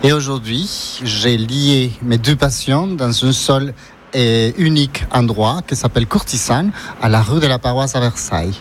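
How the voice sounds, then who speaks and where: A middle-aged man speaks with a clear Ecuadorian Spanish accent, earnest and openly enthusiastic. He is interviewed inside an ice cream shop, a faint hum of the room behind him. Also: mid-range voice, unhurried. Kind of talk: radio interview on location.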